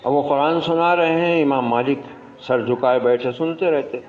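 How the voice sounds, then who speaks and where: A man giving a Friday sermon in a mosque, teaching and telling a story with slow emphatic stress and exasperated rhetorical asides. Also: medium pitch. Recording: echoey mosque, dull lo-fi sound.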